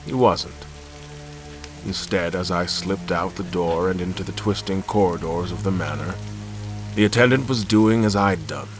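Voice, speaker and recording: A man playing a brooding, calculating prisoner who narrates his captivity in a measured, formal, deliberate way for a scripted audio drama. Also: sits low.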